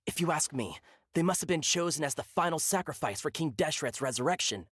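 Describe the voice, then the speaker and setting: A man voicing a zealous, gossipy desert villager with an earnest, excitable manner in a video game. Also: on the high side, a little fast, breathy edge, dry recording, studio quality. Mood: zealous, conspiratorial. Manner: earnest, excitable, stammering when cornered.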